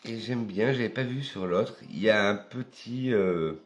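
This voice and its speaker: A man from France reviewing perfumes in a casual vlog, talking in an unhurried, hesitant way and thinking aloud with many pauses. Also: on the low side.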